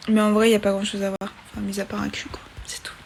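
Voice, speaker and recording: A woman's voice: mid-range voice, completely flat delivery, fast, gravelly, a little hiss or hum. A woman in her twenties hosting a casual live stream on her phone, reading viewer questions aloud and chatting back with many fillers and restarts. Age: 20s.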